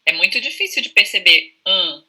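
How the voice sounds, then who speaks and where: A Brazilian woman speaks with a strikingly bright, forceful tone, her pitch sitting in an ordinary middle range. As a speech therapist she explains patiently and pronounces sample sounds aloud to show them. She talks over a video call. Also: big pitch swings, normal speed. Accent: Brazilian Portuguese. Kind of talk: explanatory interview answers.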